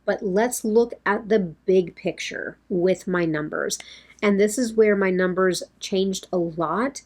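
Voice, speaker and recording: A woman in her thirties, slightly hoarse, chatting casually to camera in a rambling way from her home makeup room. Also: medium pitch, slow pace, a little mellow. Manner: rambling, talks with her hands. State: a bit hoarse, losing her voice. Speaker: beauty vlogger.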